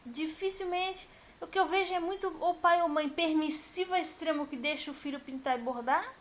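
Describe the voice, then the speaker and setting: A woman's voice: very high-pitched, moderate pace. A woman, a teacher, talking casually and emphatically to her viewers and repeating her points. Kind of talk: casual talk to camera.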